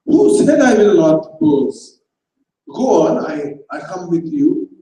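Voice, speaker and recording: A man voicing a fierce little old painter who shouts gruff contempt, in an echoey hall heard from far off. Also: high voice, sing-song, slow, heavily acted. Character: fierce little old male painter, gin-soaked, scoffing. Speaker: actor in a staged reading.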